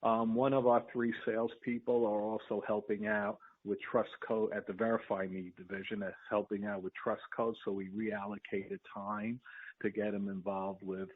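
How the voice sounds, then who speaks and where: Low-pitched male executive on tinny phone line. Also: flat delivery, moderate pace, slightly rough. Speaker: company executive. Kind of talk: answering questions on an earnings conference call.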